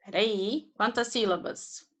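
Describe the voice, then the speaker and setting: A woman's voice: medium pitch, takes it slowly, a bit bright. A woman teaching a primary school class on a video call, patiently drilling grammar terms with her students.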